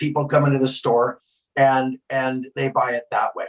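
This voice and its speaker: Recorded with a dry, close sound and no echo, a man speaks at a medium pitch and a moderate pace. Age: 60s. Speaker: company founder. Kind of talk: interview. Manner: animated.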